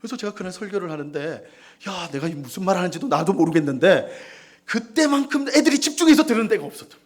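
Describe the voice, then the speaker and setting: A man in his forties preaching a sermon in a church, telling a personal story with animated delivery and acted-out shouts. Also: high-pitched, fast talker. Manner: animated storytelling, acts out shouts and quoted voices. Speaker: pastor. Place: church sanctuary.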